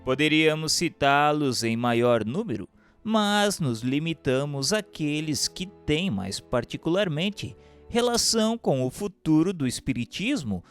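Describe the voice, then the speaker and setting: A man's voice: on the high side, animated, a little slow, clear, resonant tone, soft background music. A man giving a solemn, formal reading of a spiritist text aloud, with occasional stumbles over the words. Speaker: reader.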